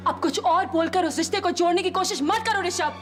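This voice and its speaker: A woman's voice: very high voice, brisk, music in the background. An actress playing a young woman who is hurt and unsure whom to trust, in a TV serial drama. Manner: hurt, wavering. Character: torn, tearful young woman, Shivani.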